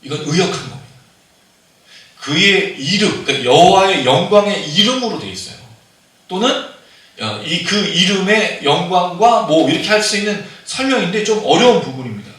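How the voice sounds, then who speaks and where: A man preaches in a lively, conversational way, often turning to the congregation with questions. His fairly high, bright voice swings widely in pitch. The sound is very echoey, picked up by a microphone set at some distance. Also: moderate pace. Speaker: pastor. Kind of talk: sermon. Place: church sanctuary. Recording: very echoey hall, mic at a distance.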